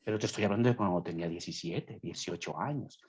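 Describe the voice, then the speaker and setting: A man's voice: low-pitched, fast, a little mellow, breathy edge. A young man speaking as a guest on a podcast, preaching earnestly and acting out quoted voices as he explains a point.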